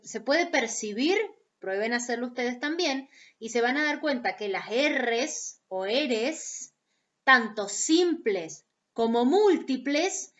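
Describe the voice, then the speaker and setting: A woman with a fairly high voice gives a recorded lesson, speaking very slowly and patiently. She goes back over each point and checks that her listeners follow. The recording sounds dull and a little lo-fi. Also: a bit bright. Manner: slow, explanatory, repeats key points, checks in with "¿sí?". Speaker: teacher. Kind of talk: recorded lecture on phonetics.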